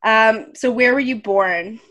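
A woman's voice: on the high side, takes it slowly, fairly bright tone. Upbeat woman podcast host. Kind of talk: scripted intro, then casual interview chat.

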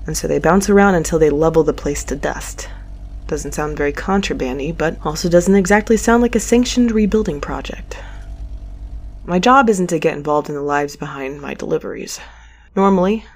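A wry, restless mail courier of the space lanes, in an audio drama. The voice sits a little low and has a husky grain. The delivery is conversational and sardonic, like someone muttering to themself. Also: female voice, normal speed. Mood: pensive, curious. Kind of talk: audio drama acting with first-person narration.

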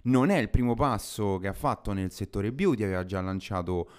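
A man's voice: on the low side, fairly quick, a little mellow, smooth. A man co-hosting a casual podcast chat about social media news. He laughs often. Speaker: podcast co-host.

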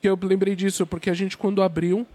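A man's voice: high-pitched, level tone, quick pace, warm tone. A man hosting a live interview with a cold that makes his voice a bit nasal, talking hesitantly with many restarts. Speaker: host of a live show.

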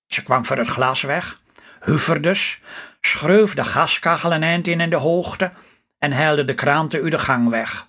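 An older man with a Stellingwerfs accent reading his own story aloud in a calm, measured way. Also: a little high. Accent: Stellingwerfs Low Saxon.

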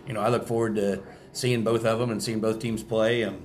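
A man's voice: on the low side, little pitch movement, a little fast. A man with an American accent giving informal, conversational sports talk as an interview guest. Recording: faint background noise.

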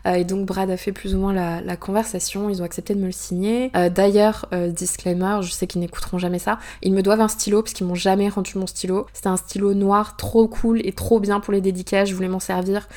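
A young woman from France, an author, chatting through a personal story in a casual monologue, full of hesitations, fillers and quick asides. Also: mid-range voice, level tone, darkish tone.

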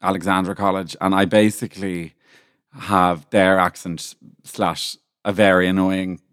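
A man with a posh Dublin accent, a podcast guest chatting casually in a camp, animated way. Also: low-pitched, measured pace, smooth, dry recording, clean studio sound. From Ireland. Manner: camp, animated, swears freely. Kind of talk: casual chat.

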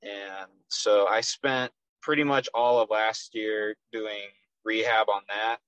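A man in his twenties with a Texas accent, a professional soccer player, answering interview questions in a relaxed way with many ums and restarts. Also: fairly low pitch, slow, dry recording, rough recording. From Texas, USA. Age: 20s.

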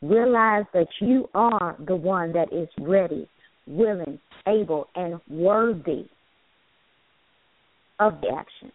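A woman's voice: lowish voice, slow, no echo. A woman co-hosting a motivational call-in show, preachy and encouraging, repeating phrases and filling with "you know". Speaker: co-host. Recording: dry tinny phone line.

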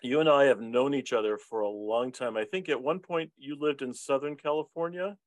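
A man's voice: medium pitch, a little fast, no room sound. A male host with a mid-range voice asks questions and answers back with frequent affirmations. His voice sounds dry and close to the mic. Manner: affirming, with repeated backchannels. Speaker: podcast host and interviewer. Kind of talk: friendly interview chat.

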